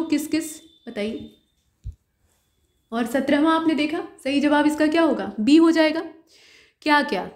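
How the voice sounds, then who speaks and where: Woman teacher walking thru exam answers, high voice, roomy echo. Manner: steady explanatory tone, addresses viewer directly. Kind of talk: explaining mock test answers.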